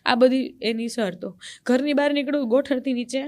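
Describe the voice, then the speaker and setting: A woman's voice: sits high, moderate pace. A young woman from Gujarat with a Gujarati accent, an actress earnestly recounting a painful past relationship as a podcast guest. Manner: earnest, animated when recounting anger. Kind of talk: emotional personal storytelling.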